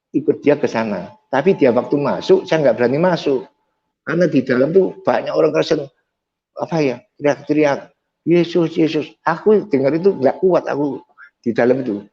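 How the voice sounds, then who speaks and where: A man with a mellow, warm voice tells his own faith story in a lively way. He acts out each exchange and presses harder as the story turns dramatic. The recording sounds dull and lo-fi. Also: medium pitch, moderate pace, slight background noise. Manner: vivid storyteller who acts out dialogue, intense at dramatic moments. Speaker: testimony speaker. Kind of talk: personal faith testimony storytelling.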